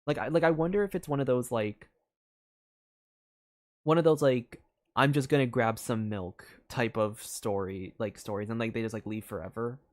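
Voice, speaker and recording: Streaming a story game, a man thinks aloud in a rambling way, full of fillers and restarts, as casual live commentary. His voice is medium-pitched and his speed normal.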